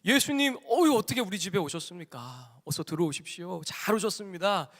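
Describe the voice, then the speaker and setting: A man's voice: high voice, sing-song, fairly quick, a bit bright. A pastor voicing an eager, rattled rich man. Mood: welcoming. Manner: exclaiming, formal polite speech. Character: wealthy male homeowner, eager and easily rattled. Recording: long church hall reverb.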